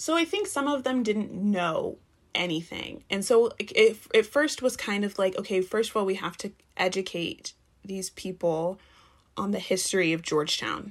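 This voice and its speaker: With an American accent, a woman with an ordinary speaking voice talks at a moderate pace with lively intonation and a medium pitch on a very clean recording with a silent background. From Texas. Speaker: student activist and researcher. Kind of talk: interview.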